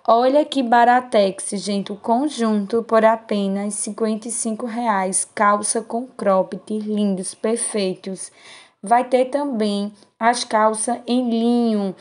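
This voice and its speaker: Host read: Pernambuco woman, unhurried promo voice-over, sing-song and affectionate. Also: steady tone, a little mellow. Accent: Pernambuco Portuguese. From Brazil. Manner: slow, sing-song sales pitch, affectionate. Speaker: fashion wholesale channel host. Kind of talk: promotional product showcase voice-over.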